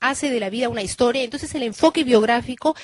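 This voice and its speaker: A woman's high voice with lively intonation and a dry, close sound with no echo. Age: 60s. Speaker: psychology professor. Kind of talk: lecture.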